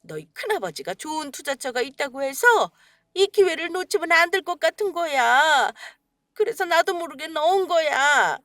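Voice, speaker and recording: A woman's voice: sits high, very animated, moderate pace, a bit bright, no room sound, studio quality, pitched above the performer's own voice. A woman voicing a defensive middle-aged mother who pleads and makes excuses in a dramatized story. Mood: pleading. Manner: whiny, pleading.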